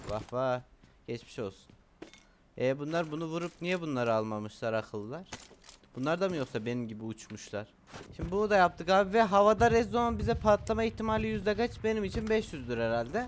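A man talks at a moderate pace with a fairly high pitch. His pitch swings very widely over light background noise. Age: young. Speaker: gaming YouTuber. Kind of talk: gameplay commentary. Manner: animated. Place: home room.

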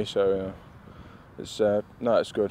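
A man with a fairly low pitch talks at a fairly quick pace, the sound dry with no echo and light noise behind him. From Yorkshire, England; England. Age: young (under 20s player). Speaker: rugby player. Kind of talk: interview. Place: stadium.

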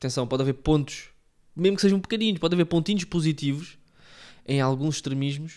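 A man with a European Portuguese accent talks at a very fast pace and a fairly high pitch. He leaves long, frequent pauses. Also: ordinary pitch variation, quiet background. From Portugal. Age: 20s. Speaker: podcaster. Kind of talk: casual solo monologue; casual podcast monologue. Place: home room. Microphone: studio mic.

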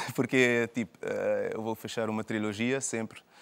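This is a man talking. His pace is fairly slow. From Netherlands, Cape Verdean family. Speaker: musician; guest. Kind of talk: interview. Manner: halting. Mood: relaxed, smiling, animated. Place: studio. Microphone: lapel.

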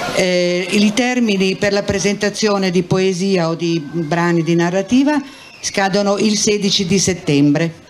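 Light background noise sits behind a woman talking at a very slow pace. Her pitch shows ordinary variation. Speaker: volunteer presenter. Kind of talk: reading aloud. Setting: stage with audience. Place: tent. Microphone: handheld.

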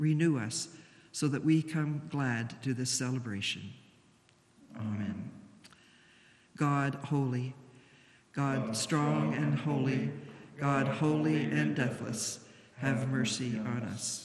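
At a very slow pace, a man speaks with long, frequent pauses. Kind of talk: liturgical prayer. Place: church.

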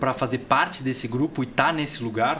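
Light background noise sits under a man speaking at a fairly slow pace. He has a medium pitch and a Brazilian accent. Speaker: podcast co-host. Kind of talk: casual chat. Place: studio. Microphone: studio mic.

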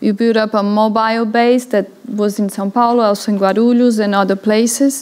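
A woman with a Portuguese accent speaks at a fairly quick pace and a fairly high pitch, with hardly any pauses. Her intonation is monotone and flat. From Brazil. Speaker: architect and curator; speaker. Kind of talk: conference talk. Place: hall.

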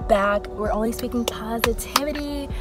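A woman at a moderate pace, dry sound with no echo, clear music in the background. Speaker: high school senior vlogger. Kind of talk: casual vlog chat. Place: car. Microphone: phone near.

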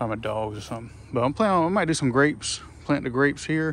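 A man with a Southern US accent talks fairly quickly in a relaxed tone, with a dry sound and no echo. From US South. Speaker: gardening vlogger. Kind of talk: casual video walkthrough. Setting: outdoors. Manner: relaxed, rambling with fillers. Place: garden. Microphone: phone near.

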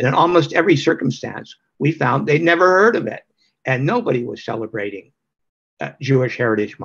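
Against a quiet background, a man with vocal fry talks fairly quickly, his intonation lively and his loudness swinging widely. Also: fairly high pitch for a man. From Canada. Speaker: human rights organization director. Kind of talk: event moderation. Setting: video call from hotel room. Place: home room. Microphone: video call.

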